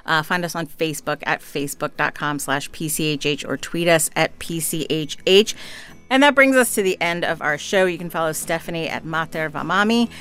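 A woman hosting a panel discussion, relaxed and conversational, steering the talk on a close studio mic. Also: deep voice, brisk, clean tone. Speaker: podcast host.

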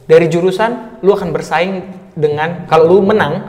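A young man in his twenties from North Sumatra, a native Batak speaker, chatting casually as an interview guest in a lively way and dropping in English words. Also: high voice. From North Sumatra, Indonesia. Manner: lively, fast talker mixing in English words. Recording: reverberant room.

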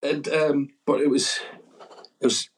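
A man's voice: fairly high pitch, little pitch movement, measured pace, slight background noise. A man, a stand-up comedian, telling stories in a rambling, casual way full of fillers and chuckles. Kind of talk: casual storytelling chat.

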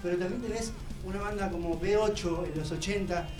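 A man with an Argentine accent, talking on a radio show and telling lively, animated stories. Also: high voice, brisk. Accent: Argentine Spanish. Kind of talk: casual radio chat. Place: radio studio. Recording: roomy, off-mic, with music behind.

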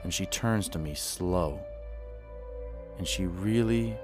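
An actor playing an earnest, lovestruck small-town sheriff's deputy in an audio drama, halting and correcting himself as he confesses. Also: low voice, over music. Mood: tender, lovestruck. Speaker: podcast fiction actor.

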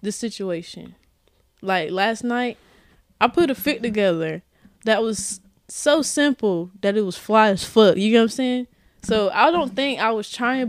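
A woman's voice: medium pitch, no echo, studio quality. A woman with an African American English accent chatting casually as an interview guest, frank, slangy and swearing freely. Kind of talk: casual chat.

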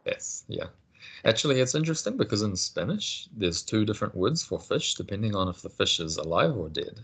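A man teaching a casual language lesson, patient and encouraging, explaining things slowly. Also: lowish voice, very animated, fairly bright tone, slightly rough.

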